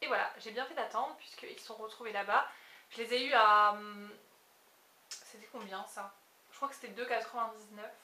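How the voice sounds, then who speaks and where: Amid audible room echo, a woman with a Picard accent speaks at a moderate pace in a fairly high pitch. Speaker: beauty vlogger. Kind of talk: haul video, casual product review. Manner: hesitant, many fillers.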